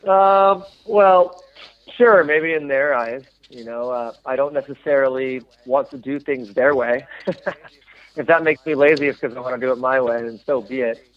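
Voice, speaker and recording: A man from the United States, a former Olympic swimmer, answering interview questions in a reflective, halting way with many fillers. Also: mid-range voice. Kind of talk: casual interview conversation. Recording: tinny phone-line sound, dry.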